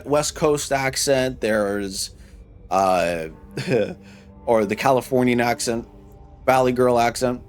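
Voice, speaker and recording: A man in his thirties, a streamer from Michigan, chatting casually with viewers while gaming, rambling and restarting his sentences. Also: medium pitch. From Michigan, United States. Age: 30s. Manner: rambling, restarts often, reads and answers chat.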